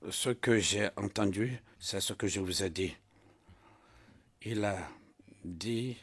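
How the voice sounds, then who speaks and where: A man's voice: low-pitched, husky, no room sound. A man testifying as a witness in a courtroom, answering questions insistently and repeating his points. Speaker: trial witness.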